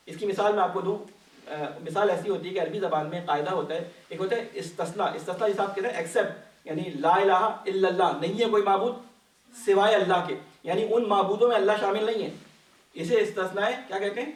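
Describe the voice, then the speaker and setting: A man gives a patient Quran lesson, often asking his class questions. His voice sits high for a man. He is heard some distance in a big echoing mosque hall. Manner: patient, asks the class questions and answers them. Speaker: Quran study teacher. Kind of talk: explanatory religious lesson. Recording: echoey hall, voice from off-mic.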